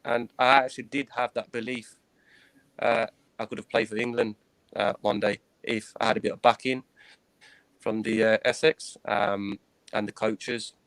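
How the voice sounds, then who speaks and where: A man in his thirties, a guest in an interview, recounting his own experiences in an earnest, hesitant way, pausing and restarting often. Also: lowish voice, fairly even intonation, fairly bright tone, no echo. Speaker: guest, former professional cricketer.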